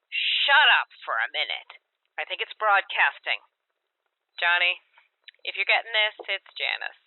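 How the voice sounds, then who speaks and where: A woman's voice: fairly low pitch, no room sound. A woman playing a tough, sarcastic, commanding character in an audio drama, heard as a radio broadcast. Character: tough, sarcastic, menacing woman giving orders. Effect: radio transmission filter. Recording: dry, narrow-band radio transmission.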